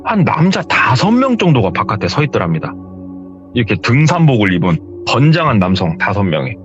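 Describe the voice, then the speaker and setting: A man's voice: mid-range voice, fairly quick, lo-fi sound, over music. A man vividly retelling a true horror story he heard, in a casual interview. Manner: lively, vivid storytelling with hearsay phrasing. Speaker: storyteller guest.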